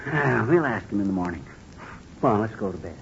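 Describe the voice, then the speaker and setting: An actor playing a blustering, boastful middle-aged husband in a 1940s radio comedy, excitable and quick to flare up, on a dull old broadcast recording. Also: male voice, lowish voice, vocal fry, slight background noise.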